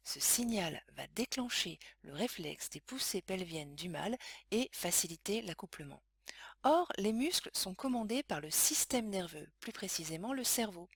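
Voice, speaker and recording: Woman doing educational science voiceover, breathy husky voice, explains stuff steadily, dry recording. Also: mid-range voice, no echo. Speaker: educational narrator. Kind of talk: scripted science lesson narration.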